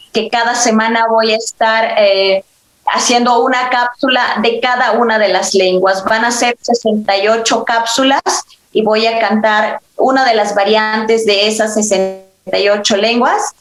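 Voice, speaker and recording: A woman from Oaxaca, Mexico, with a Mexican accent and Mixe as her first language, answering interview questions unhurriedly with pauses and fillers. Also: a little high. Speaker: guest singer. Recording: roomy echo.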